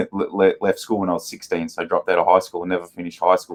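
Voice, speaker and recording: The speaker has an Australian accent. Delivery is at a very fast pace. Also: man. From Australia, outside Melbourne. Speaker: sports nutrition scientist. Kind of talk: podcast interview. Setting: in-person studio.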